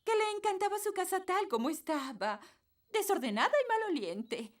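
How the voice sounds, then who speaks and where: A woman voicing a bossy fairy nanny in a children's cartoon dub, with a Latin American Spanish accent and theatrical, drawn-out delivery. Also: very high-pitched, animated. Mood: matter-of-fact. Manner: theatrical, drawn-out incantations and instructions. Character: bossy fairy nanny who casts magic spells.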